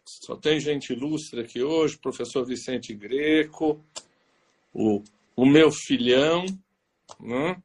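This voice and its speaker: A man's voice: mid-range voice, slow, breathy edge. A man hosting a live video-call interview, chatty and teasing his guest with jokes. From Greek. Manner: jokey, teasing banter. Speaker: host.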